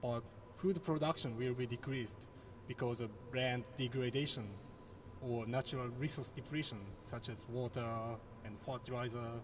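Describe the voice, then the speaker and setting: A man's voice: mid-range voice, fairly even intonation, moderate pace, noisy background. Man moderating a student panel. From Japan.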